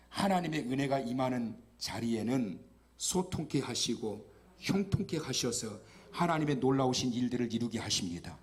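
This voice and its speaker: A male guest pastor preaching a lively sermon at a Friday night church service, joking and having the congregation repeat phrases after him. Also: high-pitched.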